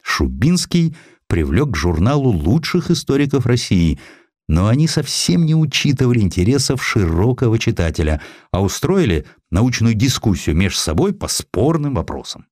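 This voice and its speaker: A man's voice: mid-range voice, sing-song, normal speed, a little mellow, dry recording, clean studio sound. A man reading a historical sketch as scripted narration, as an audiobook narrator.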